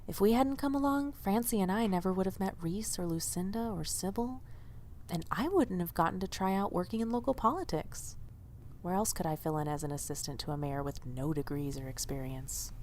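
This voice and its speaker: A woman's voice: fairly low pitch, a little fast, darkish tone, slight background noise, lightly acted. A woman playing an earnest, loyal young diner waitress in audio drama dialogue, speaking expressively and a little hesitantly. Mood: reassuring.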